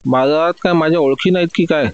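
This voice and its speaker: A man's voice: a little high, clean tone, no echo, lo-fi sound, natural voice. A man voicing an older male diamond merchant who is proud and indignant, protesting every accusation. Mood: astonished. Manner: protesting, quick to take offence.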